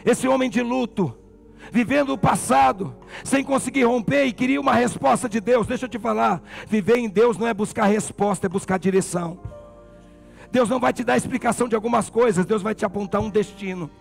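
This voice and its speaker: Brazilian male pastor, passionate sermon storyteller, heavy gravel in a high voice. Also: a little fast, faint music behind. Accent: Brazilian Portuguese. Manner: passionate preaching, telling a story to the congregation.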